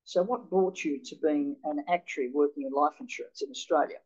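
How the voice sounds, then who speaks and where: A man with a slightly raised pitch hosts an event and interviews a guest, friendly but full of fillers. The sound is dull and lo-fi. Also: lively intonation, fairly quick, a little mellow. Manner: friendly, hesitant with many fillers. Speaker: host. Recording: dull lo-fi recording.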